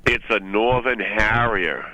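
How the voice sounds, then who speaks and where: A man's voice: on the low side, slow, bright, forceful tone, poor audio. A man calling a radio show by telephone, giving short, casual contest answers. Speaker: phone-in caller.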